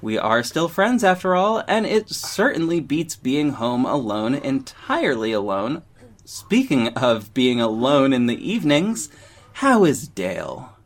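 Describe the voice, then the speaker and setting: A man acting in an audio drama as a confident, sharp-tongued gay councilman with a pointed, theatrical manner. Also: medium pitch, very animated, measured pace. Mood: catty, cutting. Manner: theatrical, pointed, biting sarcasm.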